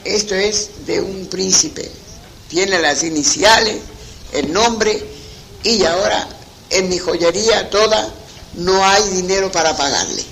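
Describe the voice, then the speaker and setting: A man's voice: high-pitched, takes it slowly, vocal fry, fairly bright tone, a little hiss or hum, exaggerated voice, poor audio. A man voicing a cautious, respectful middle-aged jeweler.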